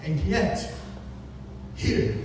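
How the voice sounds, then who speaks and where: A man giving a dramatic, haunted recitation of gothic poetry on stage, with halting pauses, recorded from the audience at a live event. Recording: echoey hall, distant mic, noisy room.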